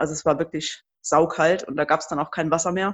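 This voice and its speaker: This woman's voice sits fairly low in pitch. Her intonation stays fairly even. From Germany, Rhineland-Palatinate. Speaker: obstacle course racer. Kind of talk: casual interview.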